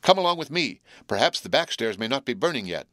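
A man voicing an eager, excitable teenage boy who talks breathlessly. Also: medium pitch, fast talker, no room sound, studio quality, voice pushed up. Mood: excited.

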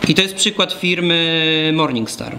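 A man's voice: on the high side, expressive, a little slow, bright, forceful tone. A man in his thirties giving a talk at a whiteboard, explaining step by step while he draws, often restarting his words, recorded by a far camera in a small brick room. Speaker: guest speaker. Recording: echoey room from far off, noisy.

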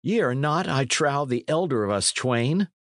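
A man's voice: mid-range voice, lively intonation, moderate pace, no room sound, pitched above the performer's own voice, natural voice. A man voicing a blunt, kindly young adventurer in a storybook, with hearty archaic speech. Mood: indignant, teasing. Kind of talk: storybook character reading.

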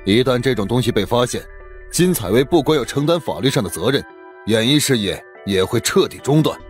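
An actor playing a blunt, commanding middle-aged police captain in an audiobook drama. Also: male voice, medium pitch, animated, fairly quick, close to an everyday voice. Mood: puzzled. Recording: music under the voice.

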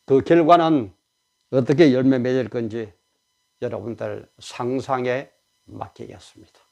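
A man's voice: medium pitch, fairly even intonation, a little slow, creaky, mellow. A male pastor, preaching an emphatic, exhorting sermon.

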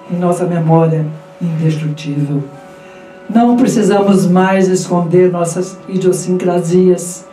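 Older woman guest, mellow and measured, roomy distant studio sound. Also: fairly low pitch. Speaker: guest, former school director. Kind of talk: casual interview and poetry reading. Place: small radio studio. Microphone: handheld mic.

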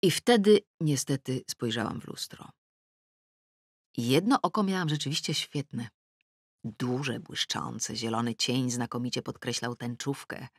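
A woman's voice: low voice, fairly bright tone, dry recording, clean studio sound. A middle-aged woman reading a first-person comic novel aloud, wry and self-mocking, dropping to sulky mutters and rising into exclamations. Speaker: audiobook narrator. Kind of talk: first-person audiobook narration.

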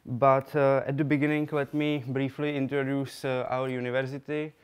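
A young man from the Czech Republic speaks English with a Czech accent, presenting slides in a lecture room. His voice is very smooth and clear but flat in pitch. He talks haltingly, full of fillers and restarts. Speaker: researcher giving a talk. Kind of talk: conference talk with slides.

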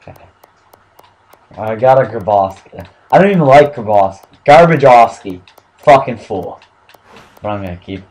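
A young man with a cold and a hoarse voice, hosting casual gaming commentary while opening card packs, swearing and swinging from mumbling to excited shouts. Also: on the low side, moderate pace, long pauses, low-quality recording. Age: young adult. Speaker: gaming channel host.

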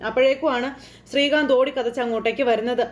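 A woman retells a TV serial episode in a casual, chatty manner. She sprinkles in little filler tags as she goes. Her voice is high and she talks quickly. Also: fairly even intonation. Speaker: TV serial recap narrator.

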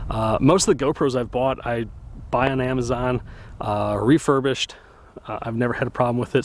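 Casual man in his thirties, mid-pitched, talks gear outdoors on a lake with faint outdoor noise behind. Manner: relaxed, rambling with fillers and restarts. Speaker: fishing channel host. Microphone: camera-mounted shotgun mic.

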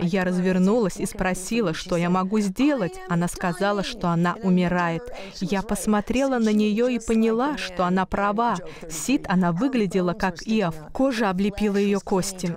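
A woman's voice: mid-range voice, a little mellow. A middle-aged woman dubbing a guest minister on a Christian talk show, telling stories in an earnest voice-over.

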